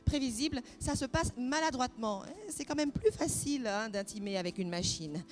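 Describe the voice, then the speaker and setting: Brief: woman stage narrator, fairly high voice, wry and musing, faint music behind. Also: expressive, moderate pace. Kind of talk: second-person theatrical narration. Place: theatre stage.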